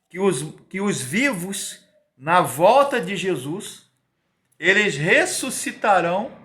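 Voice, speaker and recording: A man's voice: high voice, pushed and bright. A man in his fifties giving an informal Bible teaching, emphatic and repetitive, often digressing and adding tag questions. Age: 50s.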